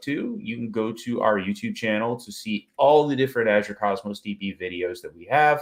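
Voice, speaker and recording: Mumbling with lively intonation, a man with an American accent speaks at a medium pitch. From New York City. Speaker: tech community event host. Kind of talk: live stream event hosting. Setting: live stream video call.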